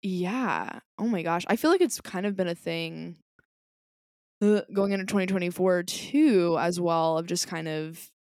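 Gravelly-voiced young woman chatting loosely. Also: fairly low pitch, unhurried, dry recording, clean studio sound. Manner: rambling, animated, many "like" fillers; self-described loud and passionate. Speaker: podcast co-host. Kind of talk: casual chat.

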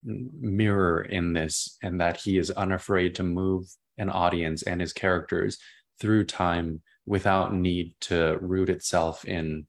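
A young man with a naturally deep voice, a playwright answering interview questions in an expansive, enthusiastic way that drifts into tangents. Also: fairly even intonation, a little slow, creaky. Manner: expansive, enthusiastic, prone to tangents and repeated words.

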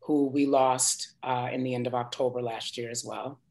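A woman in her forties from New York, a singer chatting as a guest in an interview and telling stories in an expressive, emphatic way. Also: a bass voice, moderate pace, vocal fry. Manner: warm, expressive storyteller with emphatic asides. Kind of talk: casual interview chat.

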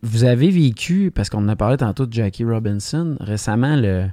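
A man's voice: mid-range voice, lively intonation, normal speed, warm tone, no room sound, studio quality. A man with a Québécois French accent interviewing a guest, curious and encouraging, sometimes restarting his questions.

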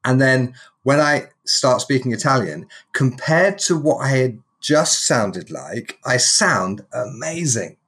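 A man's voice: mid-range voice, expressive, takes it slowly, hardly any pauses, fairly bright tone, slightly rough. A man, hosting a podcast in a chatty, humorous storytelling way. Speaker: podcast host. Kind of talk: casual podcast interview.

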